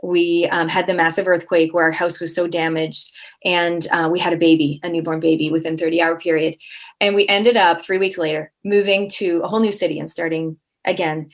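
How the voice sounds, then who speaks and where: A woman from Toronto with a Canadian accent, a guest answering interview questions in an energetic, storytelling way with frequent restarts. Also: fairly low pitch, a little fast. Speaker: guest, coach.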